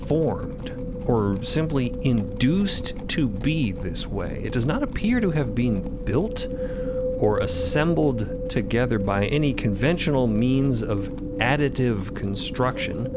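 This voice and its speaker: A man narrating scripted fiction in a measured, deliberate way, with conversational asides. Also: medium pitch. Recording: loud ambient sound under voice.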